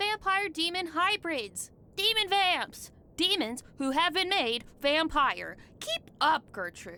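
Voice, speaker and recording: Shouting in a put-on character voice, pitched extremely high. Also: fairly slow pace. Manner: yelling, exasperated.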